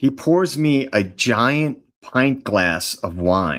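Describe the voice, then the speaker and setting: Here a man talks with a Northeast US accent. His pitch swings very widely. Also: very clean recording, silent background. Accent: faint Northeast US. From US Northeast (NY/NJ/Philly tri-state area). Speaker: livestream host. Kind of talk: casual livestream chat. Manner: casual, slangy, filler-heavy.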